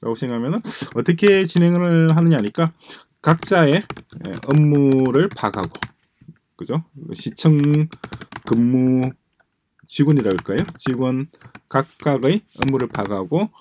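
A man's voice: mid-range voice, animated, unhurried, a little mellow, a little hiss or hum. A man giving a screen-share lecture on automation, musing aloud, repeating phrases and trailing off into mumbles as he types notes. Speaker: presenter explaining a coding project. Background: keyboard typing.

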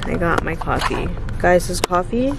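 A woman's voice: lowish voice, animated, moderate pace, creaky, background noise. A woman in her twenties chatting casually and swearily to a camera held at arm's length in a car. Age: 20s. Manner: informal, sweary. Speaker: vlogger. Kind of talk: casual vlog chat to camera. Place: inside a car. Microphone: handheld camera at arm's length. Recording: music bed over in-car camera audio. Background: music, car sounds.

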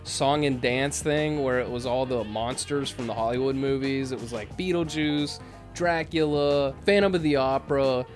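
A man's voice: mid-range voice, moderate pace, faint music behind. A man in his thirties giving casual, sarcastic reaction commentary into a desk microphone at home. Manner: sarcastic, animated. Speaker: YouTube commentator. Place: small home streaming room, indoors. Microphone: desk microphone on a boom arm.

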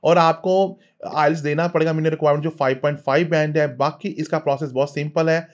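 A middle-aged man with a fairly high voice walks through web pages step by step. He talks in a halting way, stopping often to search for his next word. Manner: hesitant, many fillers, explains step by step. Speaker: vlogger, career advisor. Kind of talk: screen-recorded walkthrough voice-over.

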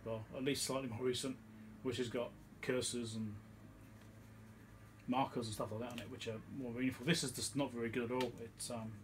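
A man's voice: medium pitch, flat delivery, brisk, noisy background. A man giving a casual, hesitant workbench demonstration, rambling in an understated way in a home workshop. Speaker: electronics repair video host. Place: home electronics workshop, indoors.

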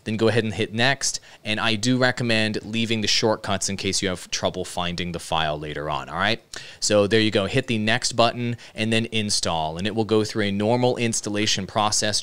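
A man giving casual step-by-step software instruction into a close broadcast microphone. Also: on the low side, smooth. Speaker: software tutorial host. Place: indoor streaming room. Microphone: close dynamic broadcast microphone with headset monitoring.

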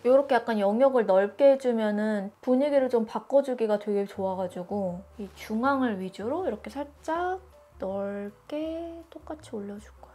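A woman's voice: fairly high pitch, moderate pace, warm tone. Chatty woman doing a makeup tutorial. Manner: chatty, informal, step-by-step explaining. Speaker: beauty YouTuber.

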